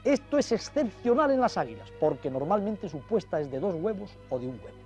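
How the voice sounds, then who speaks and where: Over film footage and background music, a man with a high, very animated, brisk and slightly mellow voice narrates a nature documentary. He speaks directly to viewers in a didactic way, using ornate, dramatic storytelling phrases. The audio has the dull quality of vintage TV.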